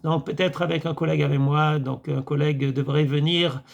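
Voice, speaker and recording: Man, French accent, hoarse, gravelly, somewhat high voice, casual rambling vlog, lots of fillers. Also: level tone, brisk, muffled recording. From France. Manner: rambling, many fillers and restarts. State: hoarse, voice tiring. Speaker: YouTube vlogger reviewing films. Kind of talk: casual talk to camera.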